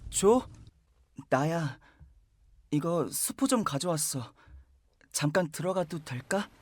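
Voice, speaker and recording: A young male actor playing a gentle, caring friend in an audio drama, soft, hesitant and tender. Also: fairly high pitch, expressive, slow pace, no echo, studio quality. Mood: gentle concern.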